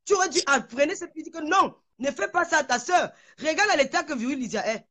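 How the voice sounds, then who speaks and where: A woman's voice: sits high, lively intonation, a little fast, pushed and bright. A woman in a heated online video rant, furious and shaking with anger, hurling insults and stammering over repeated words. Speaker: social media personality.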